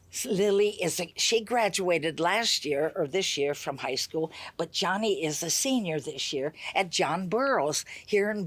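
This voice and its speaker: A woman's voice: fairly low pitch, dry recording. An older woman hosting a small community show, chatty, upbeat and effusive. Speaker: host.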